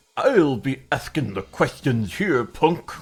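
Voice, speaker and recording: Putting on a gruff character voice, a man talks at a fairly slow pace from a medium pitch, with very wide pitch swings. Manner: intimidating.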